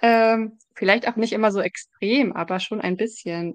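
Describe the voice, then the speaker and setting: A woman talks with a medium pitch and ordinary pitch variation. The background is quiet. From northern Germany, Hamburg. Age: 30s. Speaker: professional organizer with ADHD. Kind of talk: casual interview.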